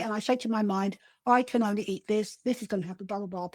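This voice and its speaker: With a Cockney accent and fairly even intonation, a woman is heard in a dry, close sound with no echo on a very clean recording with a silent background. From London, England. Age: 60s. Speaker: weight loss patient, former fitness instructor. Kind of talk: interview.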